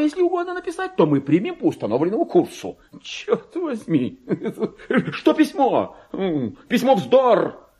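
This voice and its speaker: An actor playing a deluded clerk who believes he is a king, in a pompous, erratic, theatrical radio monologue that swings from hushed to shrill. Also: breathy edge. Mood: indignant, scornful. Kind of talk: dramatic literary monologue, Russian radio play.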